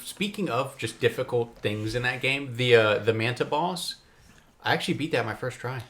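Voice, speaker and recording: A man with an average-pitched voice hosts a casual gaming podcast. He tells things in a loose, rambling way, wandering into asides as he goes. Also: expressive, moderate pace, a bit bright. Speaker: podcast host.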